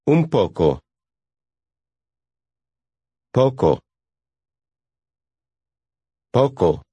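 A man speaking slowly and deliberately as the model speaker in a language course, for listeners to repeat. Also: mid-range voice, sing-song, dark tone, breathy edge, no room sound, dull audio. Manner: slow, deliberate. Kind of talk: slow model pronunciation for repetition.

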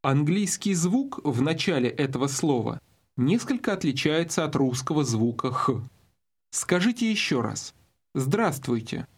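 A man narrating a scripted language course, giving slow, deliberate instructions. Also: a little high, very animated, slightly rough.

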